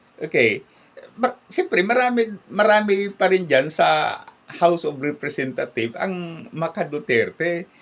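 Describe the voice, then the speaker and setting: Pitched high, a man speaks at a fairly slow pace with lively intonation. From Philippines. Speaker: YouTube political commentator. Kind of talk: solo vlog commentary. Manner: halting, many fillers.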